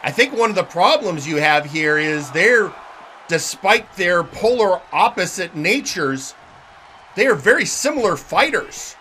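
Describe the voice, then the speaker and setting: Man, high bright voice, excitable wrestling commentator, conversational analysis, noisy background. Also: a little slow.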